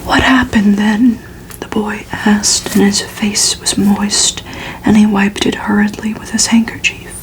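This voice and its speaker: A woman reads gothic fiction as ASMR in a breathy, fully unvoiced whisper. Her delivery is very slow and deliberate, with pauses between phrases. The tone stays flat and hushed throughout, with little movement in pitch. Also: poor audio. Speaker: ASMR reader. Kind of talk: ASMR audiobook reading of a gothic novel.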